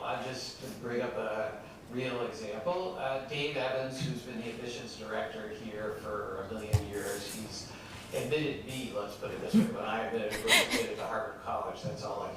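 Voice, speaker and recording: A middle-aged or older man posing a long, discursive academic question from the audience in a deliberate way. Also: lowish voice. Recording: very echoey room, distant mic, noisy.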